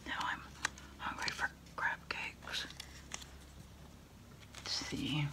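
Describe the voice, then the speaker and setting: A middle-aged American woman whispering an ASMR role-play as someone taking phone orders, unhurried and pausing as if listening to a caller. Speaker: ASMR creator role-playing a food delivery order taker.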